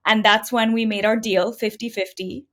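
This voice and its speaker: A woman's voice: a little high, fairly even intonation, moderate pace, fairly bright tone. A middle-aged woman from India, speaking conversationally as an interview guest about her own experience. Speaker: podcast guest, entrepreneur. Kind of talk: conversational interview answers, telling own story.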